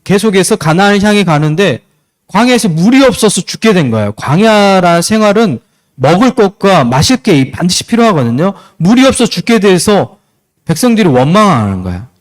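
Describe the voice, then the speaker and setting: A man's voice: high voice, sing-song, brisk. A young adult man preaching to teenagers as their youth pastor, asking them questions and acting out little scenes. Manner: asks the students questions and acts out short scenes. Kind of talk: youth sermon.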